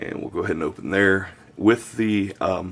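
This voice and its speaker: Speaking at a fairly slow pace, a man talks in a Southern US accent. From US South. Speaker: tech reviewer. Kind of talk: product review demo. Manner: casual, with frequent fillers.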